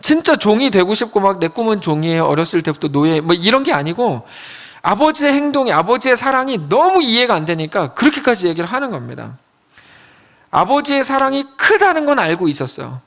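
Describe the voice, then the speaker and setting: A man preaching a sermon as a pastor, telling the story with lively storytelling and acting out the quoted lines in a lower voice. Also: fairly quick.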